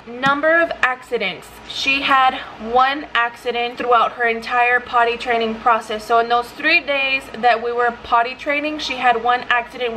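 A woman's voice: a little high, bright, forceful tone, slight background noise, low-quality recording. A young woman chatting casually to camera in her living room, a mom vlogger full of "like" and quoted bits of her toddler. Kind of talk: casual vlog talk to camera. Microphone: camera in front.

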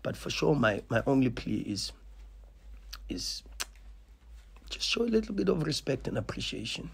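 Speaking at normal speed into a stand-mounted table mic, this South African coach in his thirties has a mid-range voice with big pitch swings, gravelly and breathy. In the small press room after the match, he talks with passion, restarting and repeating words to drive his points home.

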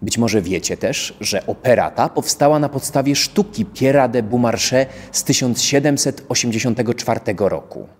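A young man presents from a prepared script. His voice is husky and medium in pitch, and it rings with a long hall-like reverb. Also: moderate pace, few pauses. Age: young adult. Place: indoors in a theatre, before a press wall.

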